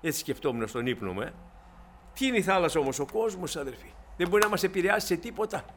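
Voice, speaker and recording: Emphatic male preacher, fairly high voice. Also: lively intonation, a little hiss or hum. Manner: emphatic, swings from loud to quiet, acts out the Bible figures. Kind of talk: sermon.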